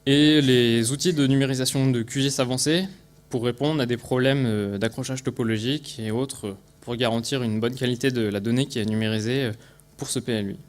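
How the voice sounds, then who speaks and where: A man with a French accent from France speaks as a conference presenter explaining a technical project. His voice sits at a medium pitch. The delivery is halting, with phrases restarted and small words repeated as he goes. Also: steady tone.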